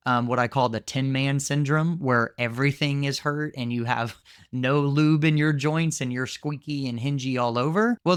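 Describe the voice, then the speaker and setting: A man's voice: medium pitch, a bit bright, clean tone, no room sound, studio quality. A man in his thirties, a jiu-jitsu coach, giving frank, conversational training advice with casual fillers. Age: 30s. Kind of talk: instructional talk to camera.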